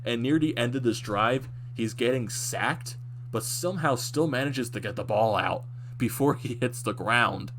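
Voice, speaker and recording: A young man giving a casual, animated recap of a football game as a fan, his voice slightly worn and going at times. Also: medium pitch, moderate pace, a little hiss or hum. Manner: excited, animated fan recap with frequent restarts. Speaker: sports fan commentator.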